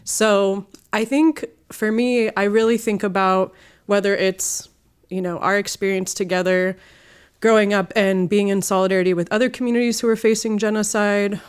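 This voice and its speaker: A woman from Los Angeles, a community organizer, speaking as an interview guest in a studio, warm and engaged, often checking in with "right?". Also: mid-range voice, clean tone. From Los Angeles, United States. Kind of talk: conversational interview.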